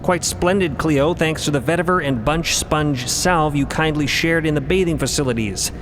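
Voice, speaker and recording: Audio drama: robed mystic, male performer; formal, precise, courteous, higher male register; rumbling background. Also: normal speed, background noise, lightly acted. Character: solemn, courteous robed veiled mystic elder. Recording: steady rumbling ambience under voice.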